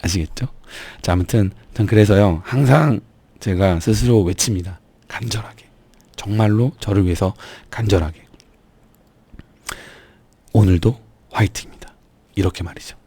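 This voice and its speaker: A man's voice: lowish voice, normal speed, pauses often, warm tone, breathy edge, no echo. A man with a strained, sore throat speaking earnestly and emphatically to viewers in a motivational vlog, urging them on as an online business YouTuber.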